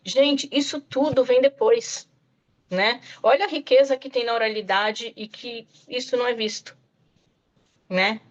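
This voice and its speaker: A woman's voice: fairly high pitch, a little slow, highs cut off. Woman lecturing teachers over a call. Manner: talks straight to listeners, frequent "tá?" and "né?". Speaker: literacy specialist presenter. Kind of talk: online lecture to educators.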